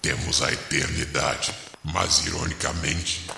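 Audio drama ghost: extremely deep, slow, sardonic old cemetery guide with formal speech, drenched in reverb. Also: male voice, flat delivery, gravelly, bright, forceful tone, slight background noise, exaggerated voice. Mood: ominous. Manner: solemn, archaic formal phrasing, sardonic. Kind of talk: theatrical horror audio drama. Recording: echoey hall reverb, music behind.

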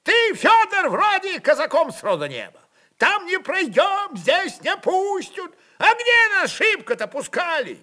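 A wiry old Cossack with a very high, forceful voice that swings widely. He is biting, defiant and quick to anger, talking in mocking folk speech for a radio play. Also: huge pitch swings, exaggerated voice. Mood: scornful. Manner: combative, mocking, folksy speech.

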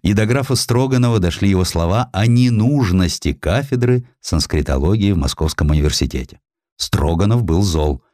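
Expressive low-voiced male audiobook narrator. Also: normal speed, no echo, studio quality. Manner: expressive, storytelling delivery. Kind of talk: scripted literary narration of a historical sketch.

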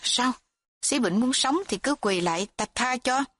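A woman doing a raving young nobleman, shouting high. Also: expressive, unhurried. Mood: contemptuous. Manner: shouting, wild and threatening. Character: volatile young male noble, raving and violent.

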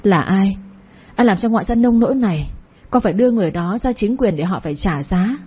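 A woman's voice: mid-range voice, lively intonation, a little fast, breathy edge, muffled recording. A woman voicing a grief-stricken young village woman who pleads and talks through her distress. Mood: distraught.

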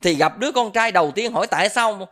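A Buddhist preacher delivers a dharma sermon at a middling pitch. The speaker keeps putting questions to the listeners and repeats filler words while searching for the next phrase. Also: lively intonation, fast, fairly bright tone. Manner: asks the audience rhetorical questions.

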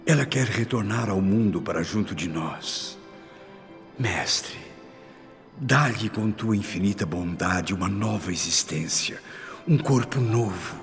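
A man's voice: deep voice, fairly bright tone. A man playing an emotional, devout father who speaks tenderly and fervently in a radio drama. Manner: pleading, fervent prayer-like delivery. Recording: long reverb, music behind.

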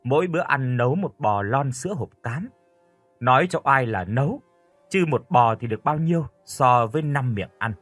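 A man narrating a scripted first-person horror story in an expressive storytelling voice. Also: mid-range voice, normal speed, dry recording, soft background music.

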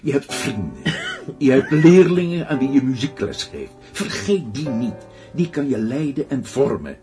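An actor playing a loyal captain friend in a radio play, speaking in an emphatic, encouraging way. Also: male voice, medium pitch, very animated, measured pace, music in the background. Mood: reassuring. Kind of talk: Dutch radio drama acting.

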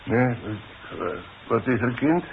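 An actor playing a proud but frightened retired demolition man, an older father who talks haltingly and evasively in a 1960s radio play. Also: medium pitch, close to an everyday voice. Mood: evasive, hesitant. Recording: muffled, hissy 1960s radio play recording.

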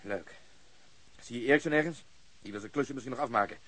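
An actor playing a blunt, impatient police officer who takes command, curt and sardonic, in a radio drama. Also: male voice, medium pitch, a little fast, fairly bright tone, slight background noise, close to an everyday voice, rough recording.

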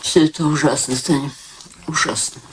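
An older woman playing a wistful, sharp-witted elderly mother in a radio drama, plaintive and theatrical. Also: low-pitched, fairly even intonation, moderate pace, a little hiss or hum, lightly acted, poor audio. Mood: knowing, reproachful. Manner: plaintive, dramatic, repeats herself.

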